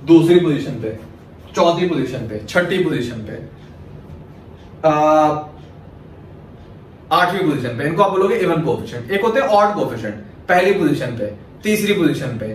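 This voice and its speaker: A male maths teacher from Pakistan giving a lecture, explaining step by step and answering his own questions. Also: sits high. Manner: asks questions then answers them himself. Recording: very echoey room, mic far off, faint hiss.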